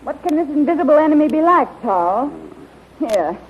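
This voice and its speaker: A woman's voice: sits high, big pitch swings, normal speed. An actress playing an imperious, short-tempered queen in a 1930s radio serial, with a haughty, formal, commanding delivery. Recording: dull, noisy 1930s radio recording.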